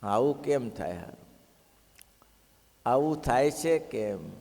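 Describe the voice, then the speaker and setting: A man giving a devotional sermon, telling stories expressively and asking the listeners rhetorical questions. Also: a little high. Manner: expressive, rhetorical questions, acts out quoted villagers. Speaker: religious discourse speaker. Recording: long hall reverb.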